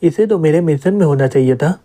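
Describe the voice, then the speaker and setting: Calm young male lord, steady, slightly high, mellow, read by a man. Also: fast, close to an everyday voice.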